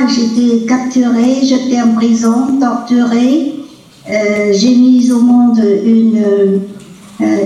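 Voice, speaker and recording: A woman in her eighties from Vietnam, giving a halting personal testimony at a colloquium. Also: a little high, mellow. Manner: halting, with many hesitations and repeated words. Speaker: conference speaker. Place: lecture hall. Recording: roomy lecture hall, distant mic.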